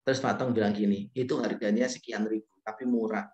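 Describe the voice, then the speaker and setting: Casual pastor in an echoey room. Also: male voice, lowish voice, steady tone, fairly quick, darkish tone, lo-fi sound. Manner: casual storytelling with frequent fillers and quoted dialogue. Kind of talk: conversational sermon talk.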